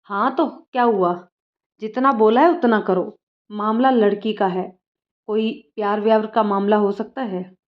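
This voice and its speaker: A woman's voice: mid-range voice, measured pace, natural voice. A woman voicing a sly, jovial middle-aged male police inspector, on slightly dull audio. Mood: commanding.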